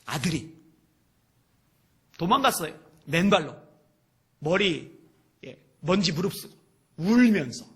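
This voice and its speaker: A male pastor preaching a sermon with fervor, often rising to shouts. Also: fairly high pitch, big pitch swings, takes it slowly, pauses often.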